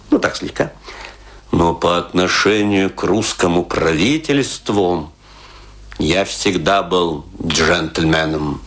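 A middle-aged, tipsy Russian intellectual in a radio play. His delivery swings widely in pitch as he moves from confiding to declamation. He is rueful and self-mocking, and he leaves dramatic pauses. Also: gravelly, heavily acted. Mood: wry, confiding. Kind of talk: theatrical dramatic monologue.

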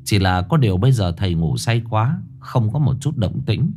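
A man's voice: on the low side, sing-song, normal speed, darkish tone, soft background music. A man narrating a ghost story in a dramatic, suspenseful way.

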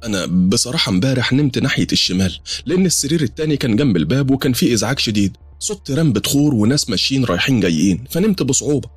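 A man's voice: mid-range voice, lively intonation, rapid-fire, slightly rough, no echo, pitched above the performer's own voice. A man doing a nervous Egyptian young woman. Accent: Egyptian Arabic. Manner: nervous, hesitant. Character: anxious young woman, frightened and curious.

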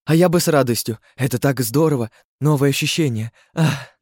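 A man's voice: mid-range voice, expressive, fairly quick, darkish tone, dry recording, clean studio sound, pitched above the performer's own voice, lightly acted. A man voicing a young female mage who lectures in a matter-of-fact, eager way.

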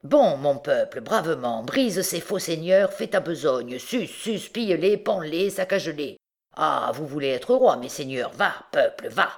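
A woman's voice: sits low, lively intonation, a little slow, full character voice. A woman reading the part of a scheming, suspicious old king who muses darkly and barks orders, in an audiobook. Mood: goading. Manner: musing, then barking orders.

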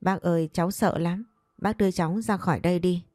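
A woman's voice: on the low side, fairly even intonation, brisk, a little mellow, no room sound, studio quality, lightly acted. A woman voicing a terrified young woman who cries out in panic and begs for help. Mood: sobbing.

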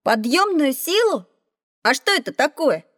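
A woman voicing a lively, curious schoolboy who asks eager questions in a children's audio drama. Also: sits high, measured pace, no room sound, full character voice. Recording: dry studio recording.

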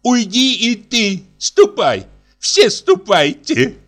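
A man's voice: very high-pitched, huge pitch swings, slow pace, a bit bright, soft background music, pitched above the performer's own voice, full character voice. A man voicing an old general's widow who whines and sulks, tearful and self-pitying. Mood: wounded. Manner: tearful, wheedling.

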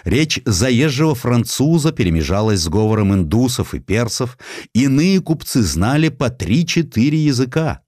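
A man narrating an audiobook of historical sketches in an expressive, theatrical, ironic manner. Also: medium pitch, normal speed, no echo, clean studio sound.

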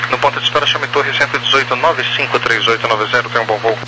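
A man's voice: mid-range voice, fairly even intonation, quick pace. Male air traffic controller on crackly radio. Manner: procedural, clipped phraseology. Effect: crackly radio transmission. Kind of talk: aviation radio clearances. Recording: noisy, crackly aviation radio channel.

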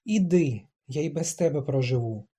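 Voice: mid-range voice, lively intonation, normal speed, slightly rough. An audiobook reader voicing a proud, stubborn young woman who speaks in clipped, emphatic lines and rises into defiant outbursts. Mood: angry. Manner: clipped, emphatic, rising to shouts.

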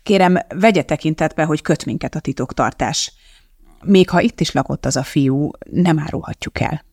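A reader voicing a sly, sarcastic older male bishop who runs an orphanage, speaking smoothly and evasively. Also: fairly high pitch, a little mellow, no echo, clean studio sound.

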